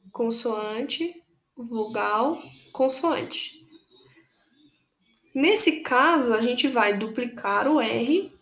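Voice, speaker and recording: A woman's voice: high-pitched, reverberant. A young Brazilian woman teaching an online English grammar lesson, patiently repeating rules and spelling out letters. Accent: Brazilian Portuguese.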